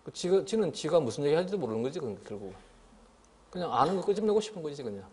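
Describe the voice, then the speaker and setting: A middle-aged man giving a biology lecture to students. He scolds them, keeps asking if they understand, and sometimes mimics them in a higher voice. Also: fast, slight background noise. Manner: lively and scolding, often asks "알겠지?". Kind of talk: classroom lecture.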